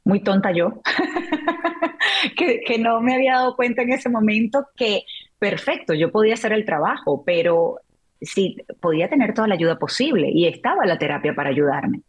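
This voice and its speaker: A woman's voice: medium pitch, lively intonation, a little fast, slightly rough. A middle-aged woman, an interview guest, telling a personal story in a candid, reflective way with frequent restarts. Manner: candid, reflective, emotional retelling with many restarts. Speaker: interview guest, journalist and author.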